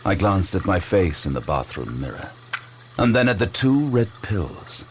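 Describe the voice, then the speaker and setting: A man's voice: low voice, very animated, a little slow, background noise, full character voice. An actor playing a brooding, haunted detective who narrates his own story intensely in an audio drama.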